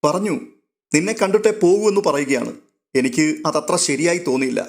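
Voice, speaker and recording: A man reading a storybook, voicing a calm, firm older-sister woman who speaks steadily and sternly. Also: on the high side, a little fast, creaky.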